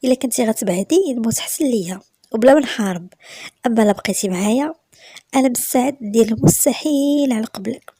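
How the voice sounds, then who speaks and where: A woman voicing a devoted young husband who pleads with his wife, with a Moroccan accent and a soft, hushed delivery. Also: a little high, expressive, fast, husky, no echo. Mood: pleading.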